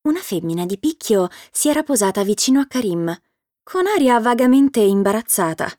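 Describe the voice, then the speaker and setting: A woman's voice: on the high side, very animated, brisk, warm tone, no room sound. Woman reading a children's story, dry sound. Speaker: narrator. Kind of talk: scripted storybook narration.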